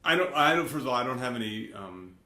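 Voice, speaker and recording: A man hosting a podcast interview, speaking at a middling pitch. He answers in short, relaxed interjections, and his voice rings out in a roomy, echoey space. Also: fast talker. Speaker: podcast host. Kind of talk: casual interview chat. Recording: roomy echo.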